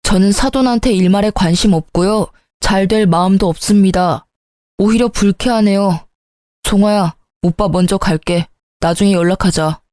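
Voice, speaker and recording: A woman's voice: medium pitch, normal speed, warm tone, no room sound, studio quality, lightly acted. A woman playing an offended older brother who speaks curtly and coldly, in a story reading. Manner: curt, cold.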